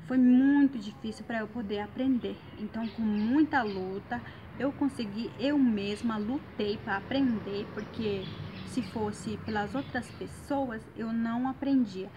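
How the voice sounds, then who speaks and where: Mulher falando devagar, sotaque guarani. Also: female voice, fairly high pitch, muffled recording, noisy background. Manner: slow, repeats each phrase, frequent hesitations. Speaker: language teacher. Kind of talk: casual online language lesson.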